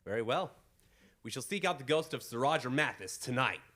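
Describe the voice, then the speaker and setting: An actor playing a confident, commanding gentleman detective in a radio mystery, formal and theatrical. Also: medium pitch, lively intonation, brisk, heavy background noise, natural voice. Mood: composed, probing. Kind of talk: old-time radio mystery acting.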